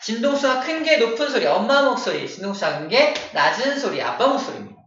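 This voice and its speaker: A man teaching a classroom lesson, playful and animated, acting out voices as examples. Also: very high voice, fast, a little hiss or hum. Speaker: middle school science teacher. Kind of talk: classroom lecture. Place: echoey classroom. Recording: dull, echoey from far off.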